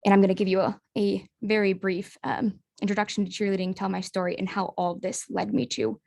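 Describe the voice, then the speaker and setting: Young woman with a gravelly edge. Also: mid-range voice, little pitch movement, a little mellow. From United States. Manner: brisk and friendly, with fillers. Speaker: presenter. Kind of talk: webinar presentation.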